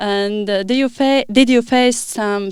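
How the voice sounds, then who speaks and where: A woman speaks with a Latvian accent. The recording is very clean, with a silent background. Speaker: podcast host. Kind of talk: interview. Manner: halting.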